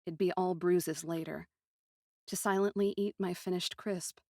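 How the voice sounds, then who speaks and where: Female narrator for fantasy fiction: slightly low register, expressive literary delivery, dry studio-like sound. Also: a little slow, no echo. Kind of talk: first-person dramatised story narration.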